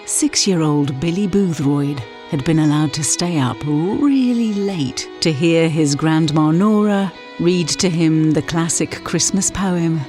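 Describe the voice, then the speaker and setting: A woman's voice: low voice, darkish tone. A woman with a British accent reading a scripted, tongue-in-cheek story as its narrator. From Yorkshire, England. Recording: faint music under the voice. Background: music.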